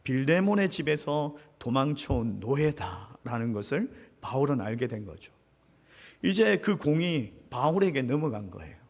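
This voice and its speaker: Lively storytelling male pastor. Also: mid-range voice, normal speed. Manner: storytelling, lively, addresses congregation directly. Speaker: senior pastor. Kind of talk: sermon. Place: church sanctuary. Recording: reverberant church sanctuary.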